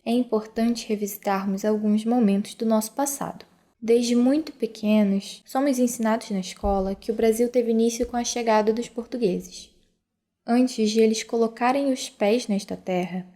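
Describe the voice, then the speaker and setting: A woman's voice: medium pitch, mellow. A woman with a Brazilian accent hosts and narrates a scripted podcast. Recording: clear background noise.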